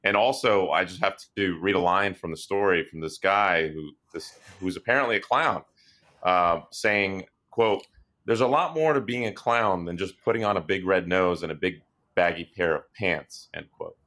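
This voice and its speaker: A man speaks casually as a journalist on a panel. His voice is low, with a bright, forward edge. His delivery is halting and deadpan. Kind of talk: casual chat.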